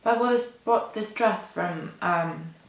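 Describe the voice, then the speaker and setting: Doing her makeup at a mirror in an indoor room, a beauty vlogger in her twenties rambles through a chatty get-ready-with-me clip. Her fairly low voice is a little slow and creaky, peppered with "like," "um" and jokes at her own expense. The room is echoey and the recording is rough.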